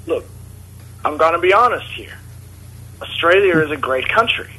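A man's voice: a little high, expressive, moderate pace, pushed and bright, husky. A man with a New Zealand accent leaving a playful voicemail, hesitant and full of fillers, recorded over a phone line. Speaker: caller. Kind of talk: voicemail with mock interview. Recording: phone line with faint noise.

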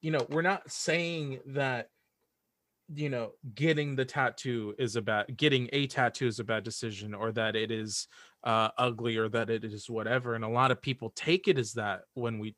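A man's voice: mid-range voice, normal speed, a bit bright, no room sound, studio quality. A man speaking as a podcast guest, casually and earnestly giving opinions and repeating phrases for emphasis.

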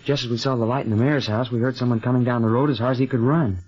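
A man's voice: medium pitch, fairly even intonation, rapid-fire, breathy edge, natural voice. A male actor in an old-time radio drama playing an earnest, polite but guarded young man. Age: young adult. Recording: muffled vintage radio recording with music behind.

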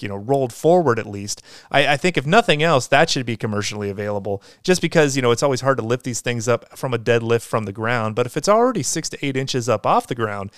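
Upbeat rambling man with a smooth voice. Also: medium pitch, a bit bright, no room sound, clean studio sound. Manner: rambling, upbeat, many fillers and restarts. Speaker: podcast host. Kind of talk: casual solo podcast chat.

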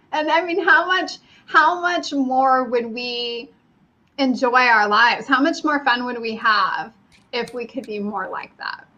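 A woman's voice: on the high side, slow pace, bright, forceful tone. A woman co-hosting a casual chat, upbeat and laughing easily as she reads viewer comments. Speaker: co-host reading viewer comments. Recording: dull lo-fi audio.

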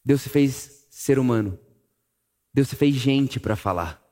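A man preaching a sermon, telling the story dramatically, dropping to a hush and rising again as he acts out scenes. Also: mid-range voice, slow pace. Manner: dramatic storytelling, acting out scenes with hushed and raised voice.

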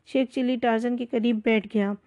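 Fields: Sex: woman. Style: storybook narration. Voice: mellow. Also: on the high side, fairly even intonation. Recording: dull lo-fi recording.

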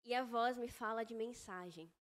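A woman speaking as a guest on a Christian podcast, earnest and reflective, measured in her phrasing. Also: fairly high pitch. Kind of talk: faith-based podcast conversation.

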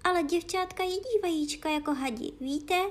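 A woman voicing a polite young girl in a storybook reading, with a raised, drawn-out, indignant girlish voice. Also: very high voice, voice pushed up. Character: young girl, polite but easily offended.

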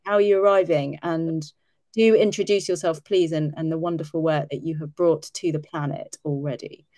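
A woman host with a somewhat low voice introduces her guest. She speaks in a measured, polite manner with a few fillers. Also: steady tone, mellow. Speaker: program host.

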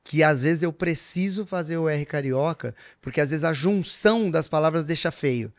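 Creaky, fairly high-voiced São man. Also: normal speed. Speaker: voice actor. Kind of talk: casual chat.

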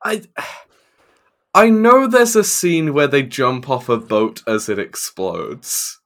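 A man co-hosting a casual podcast chat, blunt and sweary, quick to laugh. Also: mid-range voice, expressive, a bit bright. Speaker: podcast co-host.

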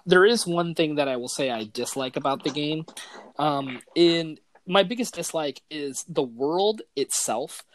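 A man hosting a casual gaming podcast, talking excitedly and enthusiastically in loose slang. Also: on the high side, unhurried, slight background noise. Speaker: podcast host.

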